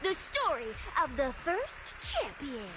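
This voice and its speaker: Tale-telling companion; dramatic, very high, lively. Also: female voice, takes it slowly, noisy background, heavily acted. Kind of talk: video game voice acting.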